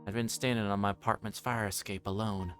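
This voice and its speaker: A man's voice: lowish voice, steady tone, brisk. A man streaming a game, reading its narration aloud in a dramatic way, with game music behind him.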